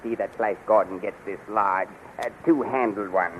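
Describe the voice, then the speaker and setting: An actor playing a domineering, impatient palace general barking orders in a 1930s radio serial. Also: male voice, fairly low pitch, normal speed, natural voice. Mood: commanding. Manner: commanding, impatient. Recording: muffled, noisy 1930s radio recording.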